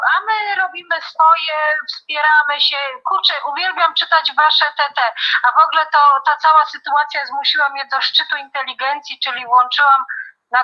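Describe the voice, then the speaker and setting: With a high voice and lively intonation, a woman talks at a moderate pace. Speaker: caller. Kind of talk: casual chat. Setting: phone call. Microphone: phone held to the speaker.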